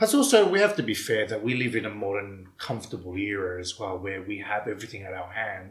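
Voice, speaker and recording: A man's fairly low voice at a very fast pace, with hardly any pauses. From Australia. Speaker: podcast host. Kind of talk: casual chat. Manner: animated.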